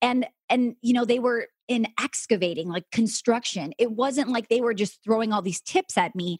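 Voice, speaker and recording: A woman with a plain, everyday voice and fairly high pitch talks at a moderate pace with hardly any pauses and ordinary pitch variation, on a very clean, dry, close recording with a silent background and no echo. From Wisconsin. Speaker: business owner and coach. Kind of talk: interview.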